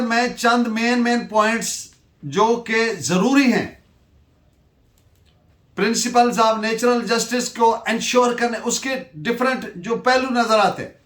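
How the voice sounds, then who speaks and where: Pakistani guy lecturer, really high voice, slow n deliberate, emphatic, echoey room. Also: fairly bright tone. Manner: deliberate and emphatic, switching between Urdu and English. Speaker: law lecturer. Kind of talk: lecture dictating case citations and explaining legal principles.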